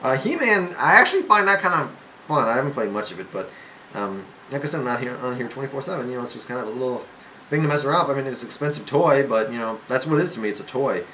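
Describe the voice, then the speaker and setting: Rambling, lively young man vlogging. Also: medium pitch, fast talker, slight background noise, poor audio. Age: young adult. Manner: rambling and self-interrupting, with many fillers and restarts; jokey and self-mocking. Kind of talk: casual rambling to camera. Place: home room. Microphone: camera mic.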